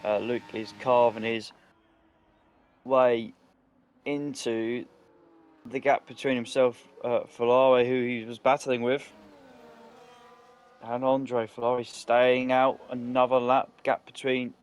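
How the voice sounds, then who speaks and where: A man with a medium-pitched voice serves as motorsport co-commentator. He reports gaps and strategy in a hesitant, halting way, often pausing to work out what is happening in the race. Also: little pitch movement, clean tone.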